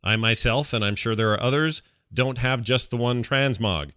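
A man's voice: medium pitch, normal speed, sharp tone, dry recording, studio quality. A man co-hosting a gaming podcast in a casual, conversational style. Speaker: podcast co-host.

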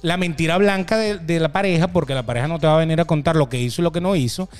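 A middle-aged Venezuelan man co-hosting a casual podcast, telling stories with lively energy and acting out the voices of people he quotes. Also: on the high side, very fast, clean tone, faint music behind. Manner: animated storytelling, acts out quoted voices. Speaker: podcast co-host.

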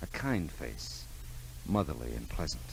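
A man's voice: rumbling low, big pitch swings, unhurried, gravelly, a little hiss or hum, exaggerated voice, low-quality recording. A man playing a world-weary private eye, wry and laconic, in a 1940s radio noir drama. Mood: wry, brooding. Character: hard-boiled, world-weary male private eye narrating his case. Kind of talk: 1940s radio noir acting, first-person narration. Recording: old radio drama recording with music.

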